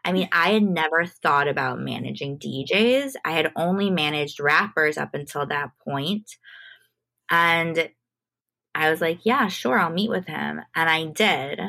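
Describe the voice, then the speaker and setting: A woman's voice: low-pitched, measured pace, gravelly, sharp tone. A woman as an interview guest, telling stories in a casual, informal way and often saying "like". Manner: informal, peppered with "like". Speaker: podcast guest, music manager. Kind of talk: casual conversational storytelling.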